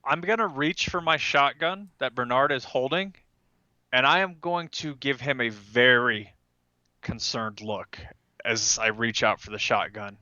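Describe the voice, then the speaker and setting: A man chats as a player in a tabletop game. His lowish voice has a bright, forward edge, though the dry recording is a little dull. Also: a little slow, no room sound. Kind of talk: casual game chat.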